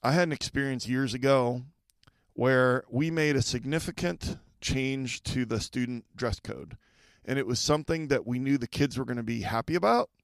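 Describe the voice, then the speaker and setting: A middle-aged man hosts a solo podcast offering advice to school leaders, speaking conversationally at normal speed with a medium-pitched voice and some vocal fry. He repeats key points and checks in with his listeners, and the recording has no echo.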